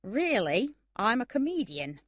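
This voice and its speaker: A woman reading the lines of a young man, a stand-up comedian working as a waiter, speaking quickly and jokingly. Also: on the high side, sing-song, a bit bright, no echo, clean studio sound, pitched above the performer's own voice, exaggerated voice. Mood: casual.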